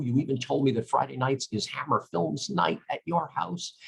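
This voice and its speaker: A man with an American accent, fairly high pitch, lively intonation and vocal fry. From New York, the Bronx. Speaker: interviewer. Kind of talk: interview. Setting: at a film festival.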